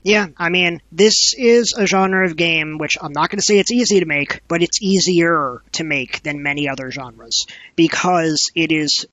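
A man with a fairly high, very bright and forceful voice talks candidly as an interview guest. His delivery is animated and conversational. The sound is dry and a little dull. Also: normal speed. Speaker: guest game developer.

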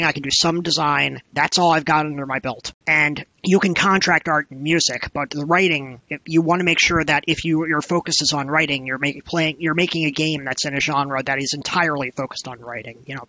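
A man with a bright, forceful, fairly high voice talks casually as an interview guest. He is informal, talkative and wryly self-deprecating. The recording is dry and slightly dull. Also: no room sound. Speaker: guest, indie game developer.

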